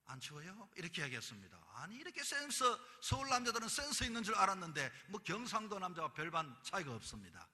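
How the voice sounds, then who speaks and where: A man's voice: high-pitched, very animated, quick pace, hardly any pauses, pushed and bright. A male pastor, preaching a sermon in emphatic bursts, recorded in a church. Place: church sanctuary. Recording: long reverb of a church hall.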